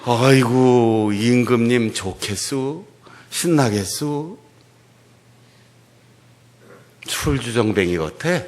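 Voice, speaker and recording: A male preacher voicing a scornful, sharp-tongued royal wife who mocks and scolds in a raised voice. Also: slow pace, natural voice. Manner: mocking, scolding, shrill.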